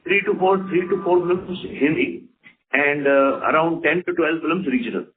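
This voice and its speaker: A man with an Indian accent answering investor questions as a company executive, repeating words and phrasing things haltingly. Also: on the high side. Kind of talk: unscripted investor conference call answers. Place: telephone conference call. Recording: phone-like conference call audio.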